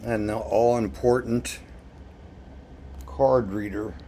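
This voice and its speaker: A man with a fairly low voice talks very slowly through an unboxing video. His manner is casual and wry, and his throat sounds irritated. There is faint noise behind him. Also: fairly even intonation, dark tone. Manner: wry, chuckling at own remarks. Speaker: video blogger. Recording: noticeable background noise.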